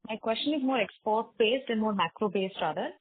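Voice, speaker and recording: A woman analyst on an earnings call, asking brisk, polite questions. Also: on the high side, breathy edge, no echo. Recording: dry tinny phone line.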